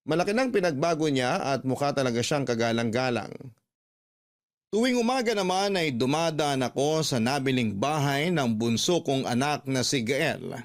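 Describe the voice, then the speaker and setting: An actor playing a remorseful middle-aged father, just out of prison, speaking quietly and wistfully in a radio drama. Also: mid-range voice, animated, normal speed, close to an everyday voice. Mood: reflective. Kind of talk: Tagalog radio drama acting, in-character narration.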